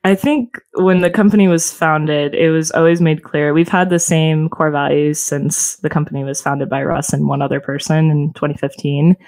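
A woman guest in a casual interview, explaining things in a friendly, steady way. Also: sits low, normal speed, few pauses, dry recording. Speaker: podcast co-host and marketer.

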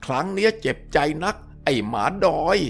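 A man's voice: fairly high pitch, expressive, normal speed, vocal fry. A man doing a sly, hot-tempered young crook. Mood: indignant.

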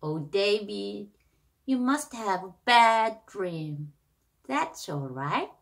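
A woman voicing a mother in a picture book, reading her lines in a slow, exaggerated way as she scolds and comforts a small boy. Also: medium pitch, big pitch swings, vocal fry, full character voice. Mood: soothing.

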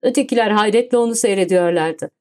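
A woman reading an audiobook in steady scripted narration. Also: mid-range voice, fast.

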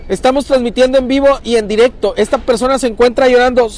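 A man reporting live from a riverbank, urgent and talking fast, sometimes calling out loudly across the water. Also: very high-pitched, steady tone. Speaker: local news reporter. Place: outdoors at a riverbank.

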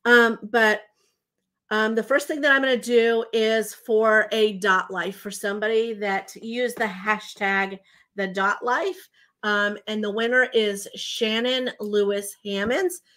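A woman in her forties hosting a live jewelry shopping show, chatty and enthusiastic with lots of ums, her voice slightly hoarse from a recent bronchitis. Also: medium pitch, steady tone, takes it slowly, fairly bright tone. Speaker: jewelry livestream host. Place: indoor home studio room.

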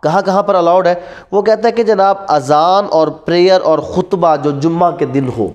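A Pakistani man with a slightly high voice gives a classroom lecture. He keeps asking questions that he answers himself, and he repeats important terms for his students. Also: moderate pace, darkish tone. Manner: asks rhetorical questions and repeats key points. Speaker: law teacher. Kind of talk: classroom lecture mixing Urdu and English terms. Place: indoors in front of a classroom whiteboard.

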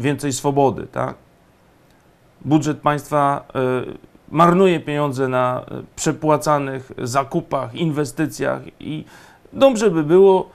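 A man giving indignant, emphatic political commentary, often pausing on fillers. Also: mid-range voice.

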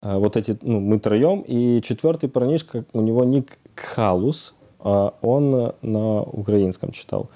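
A man in his thirties from Odesa, speaking haltingly and searching for words as a guest in a casual TV interview. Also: lowish voice, dark tone. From Odesa, Ukraine. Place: TV studio, indoors, seated.

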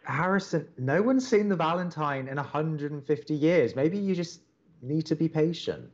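A man's voice: a little high, expressive, moderate pace. Guy acting awkward earnest young radio cohost, stammery, real up and down voice, bit muffled, romcom podcast. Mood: awkward, encouraging. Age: young adult. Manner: hesitant, stammering. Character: earnest, awkward, reassuring young male college radio co-host. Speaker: college radio co-host in an audio drama. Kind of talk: naturalistic romantic comedy podcast acting.

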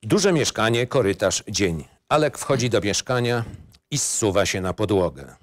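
Low-pitched man reading screenplay directions. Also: big pitch swings, moderate pace, dry recording, clean studio sound. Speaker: narrator reading stage directions. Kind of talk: scripted narration, screenplay reading.

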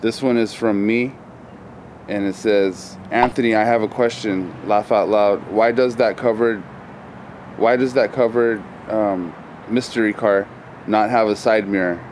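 A man's voice: lowish voice, steady tone, a little slow, darkish tone, a little hiss or hum. A man behind the camera, teasing and laughing as he reads out viewer comments outdoors. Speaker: channel host, off camera. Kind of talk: casual teasing chat. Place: backyard, outdoors.

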